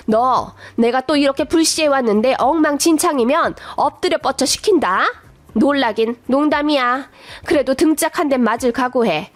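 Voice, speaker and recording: A woman's voice: sits high, no room sound. A woman voicing a domineering middle-aged mother-in-law who scolds and threatens in a radio story. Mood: bossy.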